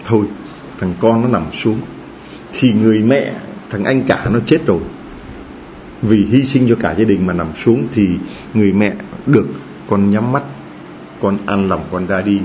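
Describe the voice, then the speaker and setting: A male Catholic priest preaching a sermon in an animated way, asking rhetorical questions and acting out quotes. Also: fairly low pitch, lo-fi sound, slight background noise.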